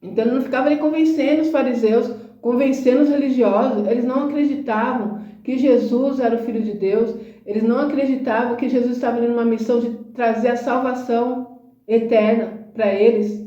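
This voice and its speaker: A woman's voice: on the high side, fairly even intonation, brisk, dark tone, muffled recording. Woman preaching earnestly, roomy sound. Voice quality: earnest, emphatic preaching with rhetorical questions. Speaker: Christian speaker. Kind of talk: conversational sermon with testimony.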